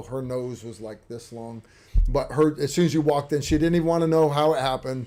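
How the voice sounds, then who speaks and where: With a Bronx accent, a man speaks at a fairly high pitch in a dark, mellow tone and fairly even intonation. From New York City, Bronx. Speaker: livestream host, military veteran. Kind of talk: casual livestream Q&A.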